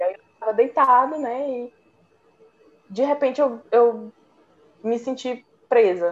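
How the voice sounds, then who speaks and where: Her voice high and her pitch variation ordinary, a woman talks at a fairly slow pace with long, frequent pauses. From Brazil, São Luís, Maranhão. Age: 20s. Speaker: teacher, podcast guest. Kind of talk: casual chat.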